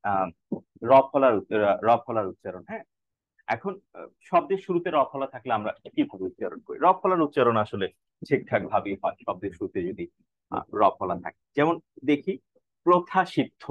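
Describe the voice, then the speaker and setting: A man teaching an online class on pronunciation, saying each example word slowly and clearly, sometimes several times. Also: fairly low pitch, no room sound. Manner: slow, drawn-out modelling of words. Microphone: video call. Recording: dull lo-fi online call audio.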